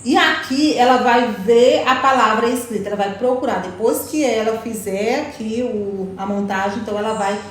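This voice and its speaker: A Brazilian woman with a slightly high voice leads a casual teaching demo, tossing in little checks like "né?" as she points things out. She sounds like she is in a very reverberant room with a faint hiss behind her. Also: moderate pace, few pauses. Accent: Brazilian Portuguese. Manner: chatty, repeats "né?" and "ó" while pointing at materials. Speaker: teacher presenting an online mini-course. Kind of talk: informal teaching demonstration. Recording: very echoey room, faint background noise.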